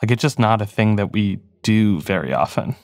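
A man's voice: fairly low pitch, lively intonation, moderate pace, a little mellow, dry recording, clean studio sound. A man, a podcast producer, narrating a story in a casual, reflective way with frequent fillers.

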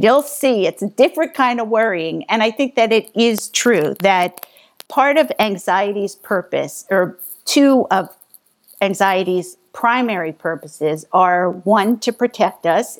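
Measured woman explaining as a guest. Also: lowish voice. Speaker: author and psychologist guest. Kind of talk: conversational interview.

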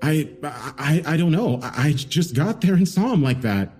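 A man's voice: fairly high pitch, animated, normal speed, darkish tone, faint music behind, voice pushed up, close to an everyday voice. A man voicing a frightened young man who stammers and pleads his innocence. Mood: pleading. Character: panicked young man accused of murder.

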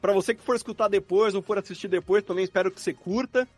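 Higher-pitched Brazilian man in casual conversation. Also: fast talker. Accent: Brazilian Portuguese. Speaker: podcast guest, audio drama producer. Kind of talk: casual live interview chat.

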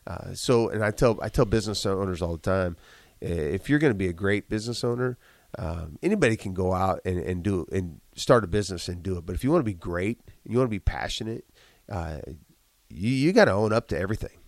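A man's voice: sits low, expressive, fairly quick, creaky, no echo. A man who is a business owner speaks candidly in an interview. He is congested, repeats himself a lot and talks with emphasis. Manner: emphatic, repeats words often. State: congested, chesty cough.

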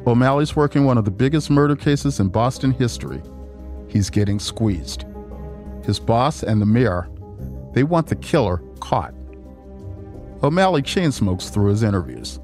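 A man narrating a documentary podcast in a measured, dramatic scripted style. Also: medium pitch, big pitch swings, darkish tone, faint music behind. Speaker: podcast host.

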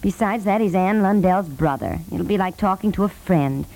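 A woman's voice: medium pitch, normal speed, vocal fry, natural voice, rough recording. Woman playing patient, practical 1950s radio wife. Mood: matter-of-fact. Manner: reasonable, gently correcting, calls husband dear. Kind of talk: 1950s radio comedy acting. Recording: vintage 1950s network radio recording.

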